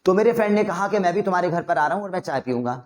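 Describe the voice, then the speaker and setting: A man with an Indian accent teaching a spoken English lesson, mixing Hindi with English and coaxing learners through rapid drills. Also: sits high. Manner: energetic, coaxing drill instructor.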